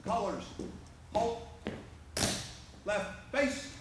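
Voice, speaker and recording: An honor guard commander calling out loud, drawn-out drill commands. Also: medium pitch. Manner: loud, drawn-out parade-ground calls.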